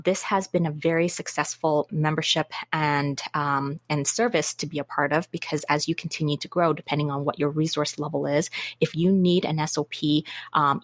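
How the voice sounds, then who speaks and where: A woman guest on a business podcast, answering interview questions in a measured, methodical way. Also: low-pitched, no echo. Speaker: guest, business systems consultant.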